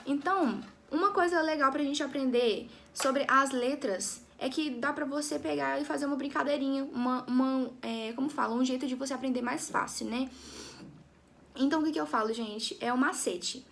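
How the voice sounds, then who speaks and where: A woman's voice: sits high, normal speed, vocal fry, fairly bright tone. A young woman teaching an English lesson to her students, chatty, often checking in with her class and restarting her sentences.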